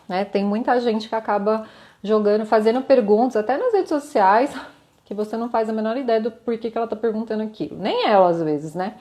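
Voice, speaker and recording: A woman with a Brazilian Portuguese accent teaches in a live-streamed lesson, her voice sitting a little high. She explains things conversationally and often checks in with her listeners through tag questions. Light laughs slip in between her points as she answers viewer comments. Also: a little mellow. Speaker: communication instructor.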